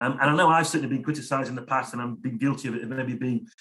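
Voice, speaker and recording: Fairly even in intonation, a man with a northern English accent speaks at medium pitch. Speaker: business speaker and author. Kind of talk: interview. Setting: video call.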